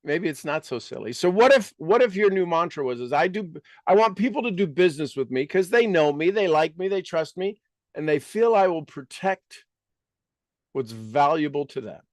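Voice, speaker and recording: A man speaking as a business coach in a motivational talk, asking rhetorical questions and repeating phrases emphatically with deliberate pauses. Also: on the high side, animated, a little mellow, no room sound, clean studio sound.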